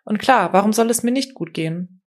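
A tired, uneasy young man, quiet and withdrawn, as a woman voices him in an audiobook. He speaks in a subdued, weary way. The tone stays low-key and slightly defensive. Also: lively intonation, a little fast, lightly acted.

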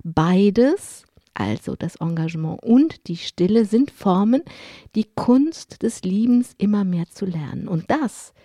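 Woman podcast host, measured delivery, warm mellow tone, dry close sound. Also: mid-range voice, animated, dry recording. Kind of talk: interview hosting with scripted intro.

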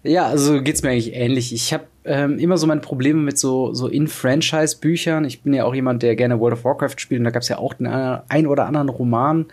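A young man co-hosting a casual podcast, talking with many pauses and fillers. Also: medium pitch, steady tone, a little mellow. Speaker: podcast co-host.

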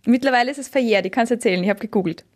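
A woman with a slightly higher voice chats casually and tells stories with playful, dry irony. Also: racing, very noisy. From Austria. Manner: playful, dry ironic humor. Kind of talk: casual chat, storytelling game.

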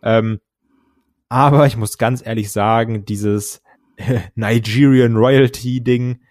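A man's voice: medium pitch, fairly even intonation, slow pace, darkish tone, dry recording, clean studio sound. A man co-hosting a casual wrestling podcast, talking hesitantly with many fillers. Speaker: podcast co-host.

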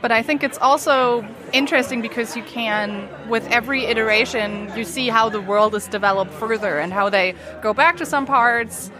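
A woman's voice: fairly high pitch, moderate pace, few pauses, a crowd in the background. A woman scholar answering casually in an interview, raising her voice over event noise. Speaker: science fiction scholar interviewed. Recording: noisy crowded evening event.

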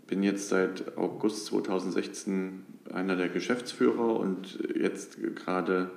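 Man in his thirties, low and gravelly, roomy sound, thoughtful interview guest. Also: measured pace, slight background noise. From Dresden, Germany. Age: 30s. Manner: thoughtful, many fillers and restarts, lively when animated. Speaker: guest, company managing director. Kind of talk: interview answers.

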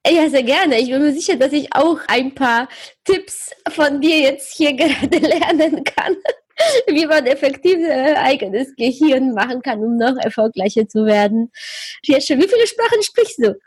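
A woman born in Poland hosting an interview podcast, speaking lively conversational German, laughing often and searching for words now and then. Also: sits high, moderate pace, dry recording, studio quality. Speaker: podcast host.

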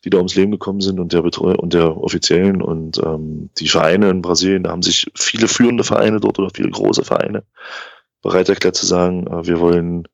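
Guy cohosting a podcast, low gravelly voice, dry kinda dull recording. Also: fairly even intonation, no echo. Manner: thoughtful, halting with repeated words. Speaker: podcast co-host. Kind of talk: casual fan podcast chat. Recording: dry, slightly dull sound.

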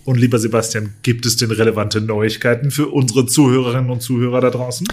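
A man's voice: mid-range voice, little pitch movement, fast, darkish tone. A man co-hosting a casual podcast, making dry jokes with plenty of fillers. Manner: dry, joking, filler-heavy. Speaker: podcast co-host. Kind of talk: casual podcast chat and ad read.

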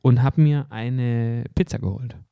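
Male podcast co-host, soft-edged mellow voice, dry close sound, agreeable, halting, word-repeating casual delivery. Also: mid-range voice, steady tone, gravelly, smooth, no room sound. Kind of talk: casual chat.

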